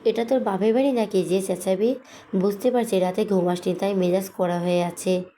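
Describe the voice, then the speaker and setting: A woman's voice: mid-range voice, steady tone, normal speed, warm tone, slight background noise, lightly acted. A woman voicing a playful, nosy elderly grandmother who teases with prodding questions. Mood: teasing.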